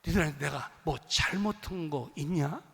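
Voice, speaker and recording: A man voicing a calm landowner who firmly rebukes his workers, with a long hall reverb. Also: a little high, normal speed, vocal fry, breathy edge.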